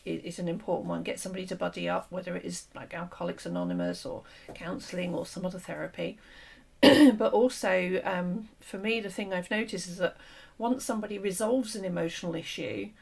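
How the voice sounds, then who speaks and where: Woman host, kinda gravelly and hoarse, explains stuff earnestly, lots of ums. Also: fairly low pitch, darkish tone. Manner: earnest, explanatory, with frequent fillers and restarts. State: losing her voice. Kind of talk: conversational discussion.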